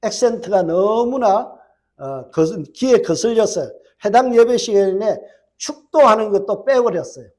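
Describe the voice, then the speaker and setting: Man, Gyeongsang accent, middle-aged pastor, high voice, quick sermon delivery, rhetorical questions. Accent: Gyeongsang Korean. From Gyeongsang, South Korea. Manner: fast-talking, strong regional accent; asks the congregation rhetorical questions.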